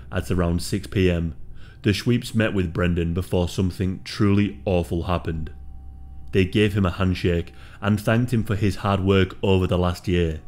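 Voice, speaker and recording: A man reading a scripted true crime story in a steady, solemn manner. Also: deep voice.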